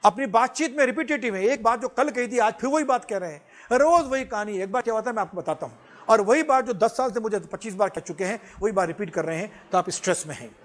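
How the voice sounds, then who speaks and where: High-voiced animated male lecturer. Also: fast. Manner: animated, chuckling, switches freely into English phrases. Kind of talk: motivational lecture to students.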